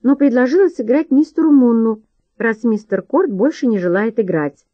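A woman's voice: normal speed, dry recording, close to an everyday voice. A nervous, flirtatious former actress, put on by a woman narrator who speaks in a raised, metallic tone. Her voice lifts well above the narrator's own. The recording is dry and a little dull. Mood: eager, nervous. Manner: high, eager, metallic tone.

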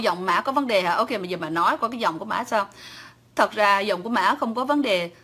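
A woman's voice: a little high, bright, forceful tone. A woman with a Southern Vietnamese accent, chatting casually on a livestream and answering viewers' comments, talkative and teasing, laughing often. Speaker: livestream host.

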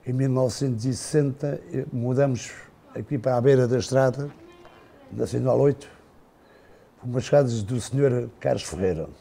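Older man with a gravelly, dark voice. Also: medium pitch. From Portugal. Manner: unhurried, halting, with many restarts and fillers. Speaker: guest. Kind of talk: casual reminiscing.

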